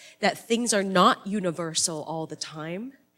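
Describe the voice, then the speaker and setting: A woman speaks at a moderate pace with an American accent. Her pitch varies in an ordinary way. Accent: American, switching to Singaporean. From Singapore. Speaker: theatre director. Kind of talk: panel discussion.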